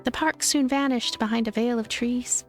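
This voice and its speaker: A woman's voice: fairly high pitch, fairly even intonation, moderate pace, faint music behind, natural voice. A woman voicing an earnest, hesitant young witch heroine in visual novel narration. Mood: hopeful.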